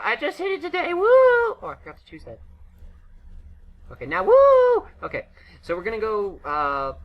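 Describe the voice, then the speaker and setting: Male gaming host: forceful bright tone, mid pitch, informal and chatty, faint noise behind. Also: low-quality recording. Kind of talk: casual unscripted gameplay commentary.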